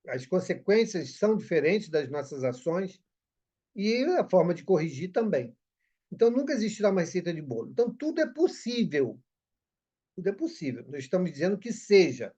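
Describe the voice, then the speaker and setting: A man's voice: sits high, warm tone. A man coordinating a group study discussion, repeating his points for emphasis.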